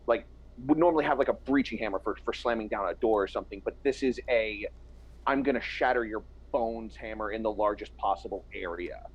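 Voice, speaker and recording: A man narrating a tabletop game as game master, slowing down for descriptive passages. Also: fairly low pitch, breathy edge, highs cut off.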